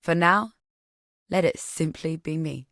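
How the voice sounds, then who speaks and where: Solemn tribal woman, video game ally, lowish pitch, poetic and measured, earnest, close dry recording. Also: a bit bright, dry recording. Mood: grateful. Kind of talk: scripted video game character dialogue.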